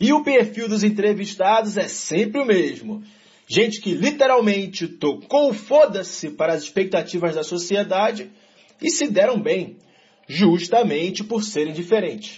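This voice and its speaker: Lively intonation carries speech that moves fairly slowly. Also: man, high pitch for a man. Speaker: podcast host. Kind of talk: podcast intro.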